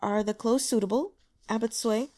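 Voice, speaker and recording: Earnest young male aide, read by a woman, higher and a little louder than the narration. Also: steady tone, normal speed, lightly acted. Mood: polite.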